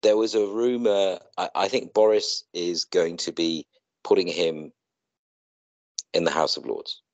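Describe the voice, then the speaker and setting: Low-voiced middle-aged man, rambling and halting. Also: steady tone, darkish tone, dry recording, lo-fi sound. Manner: rambling, halting, circles back on himself. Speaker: co-host in a two-person online chat. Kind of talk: casual video-call chat. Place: indoor room, video call.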